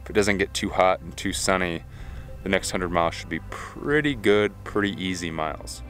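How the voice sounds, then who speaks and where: A man, talking casually into a handheld camera outdoors while thru-hiking, upbeat but trailing into low mutters. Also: normal speed, fairly bright tone, faint music behind. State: slightly winded from climbing. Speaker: thru-hiker vlogger. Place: outdoors in open desert. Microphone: handheld camera at arm's length.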